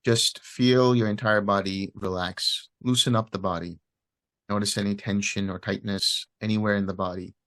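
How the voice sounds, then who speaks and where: A man giving guided meditation instructions as a teacher, speaking gently and unhurriedly with pauses between short phrases. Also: lowish voice, no echo.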